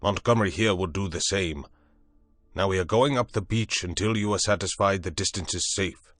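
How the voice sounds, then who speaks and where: A man voicing a steady, commanding older scientist who speaks in a calm, measured, authoritative way. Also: deep voice, no room sound, studio quality.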